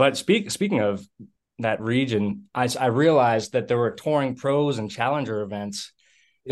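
A man talks at a fairly quick pace in a normal speaking voice, medium in pitch with ordinary pitch variation. The background is quiet. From New England, US (west of Boston). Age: 30s. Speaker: professional drummer. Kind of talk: casual interview chat.

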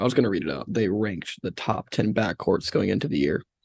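A man speaks at a medium pitch with vocal fry. His pace is very fast. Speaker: sports podcast co-host. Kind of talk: casual chat.

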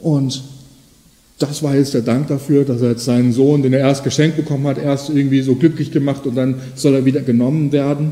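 A man talks at a fairly quick pace in a fairly high pitch, his intonation monotone and flat. Room echo is audible. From Lake Constance region, southern Germany. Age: 30s. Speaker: pastor. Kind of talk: sermon. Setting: church. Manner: casual.

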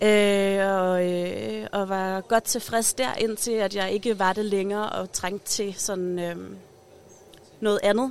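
At a very slow pace, a woman speaks at medium pitch. Her intonation stays monotone and flat. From North Zealand, Denmark. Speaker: artist and art historian. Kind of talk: interview. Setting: outdoors.

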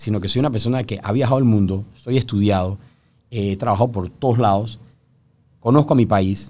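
Over a silent background on a very clean recording, a man with an unremarkable speaking voice talks fairly quickly at a fairly low pitch with ordinary pitch variation. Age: 40s. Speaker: chef and restaurateur. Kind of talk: casual chat.

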